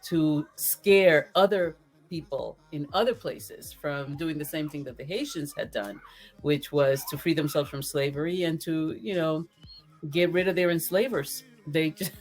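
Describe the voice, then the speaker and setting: A woman from the Dominican Republic whose first language is Spanish, talking as a podcast guest in an animated, earnest way and laughing often. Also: sits low, a little slow, soft background music, rough recording. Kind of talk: casual interview conversation.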